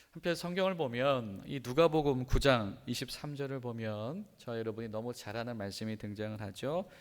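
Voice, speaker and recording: A male pastor preaching a sermon in a conversational way, with frequent rhetorical questions. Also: medium pitch. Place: church sanctuary. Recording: long reverb of a church sanctuary.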